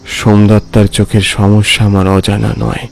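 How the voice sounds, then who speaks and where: A man's voice: lowish voice, little pitch movement, gravelly, soft background music. An actor playing a brooding middle-aged man who narrates a dramatic ghost story haunted by a lost first love. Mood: brooding, wistful. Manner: slow, brooding, theatrical.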